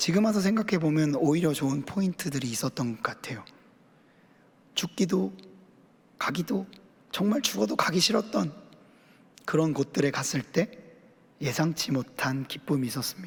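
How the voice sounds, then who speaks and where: A man at a moderate pace with very wide pitch swings and long, frequent pauses. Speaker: pastor. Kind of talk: sermon. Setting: church.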